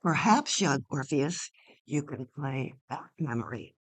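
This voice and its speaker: A tender queen of the underworld , acted by a woman in a stage play. She coaxes her husband fondly with a very lively, swooping pitch. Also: unhurried, slightly rough, no room sound, heavily acted. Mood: gently persuasive. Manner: fond, coaxing. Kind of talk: dramatic play reading.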